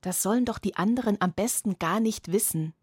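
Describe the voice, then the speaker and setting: A woman's voice: medium pitch, fairly quick, a little mellow, breathy edge, no room sound. A woman narrating a television feature report in a wry, teasing tone.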